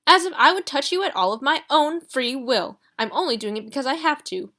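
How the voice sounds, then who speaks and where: A woman's voice: high-pitched, animated, brisk, bright, forceful tone, pitched above the performer's own voice, full character voice. Woman putting on a prim indignant man, huffy, peevish, storybook figure. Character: fussy indignant male guardian, prim.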